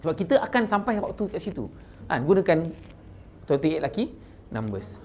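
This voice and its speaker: A man's voice: a little high, normal speed, slight background noise. A man with a Malaysian accent coaching insurance agents, mixing English terms into his talk and often checking in with "kan?". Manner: mixes English into Malay, asks "kan?" often, lively stresses. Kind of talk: sales training talk.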